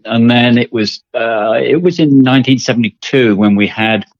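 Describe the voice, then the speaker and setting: A man's voice: mid-range voice, moderate pace, dry recording, dull audio. An older man from England with an English accent, talking through his story as a guest with lots of fillers and repeated words. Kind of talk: casual interview.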